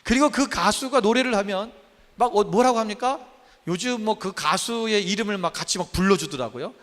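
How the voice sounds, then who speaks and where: A man's voice: high-pitched, a little fast, fairly bright tone, in a large hall. A man in his fifties, a pastor preaching a sermon in a church, emphatic and full of questions to the congregation. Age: 50s. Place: church sanctuary.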